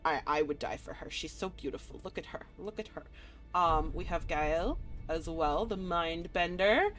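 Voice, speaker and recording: A woman streaming a game and chatting casually to viewers in an excitable, gushing, playful and slangy way. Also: lowish voice, normal speed. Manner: slangy, swearing. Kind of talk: casual livestream chat to viewers. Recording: music behind the voice. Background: music.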